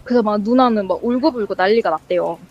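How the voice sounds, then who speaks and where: A woman's voice: mid-range voice, fast talker, slight background noise. A woman casually telling a ghost story as a guest, rambling and full of fillers, acting out the lines she quotes. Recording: dull lo-fi sound.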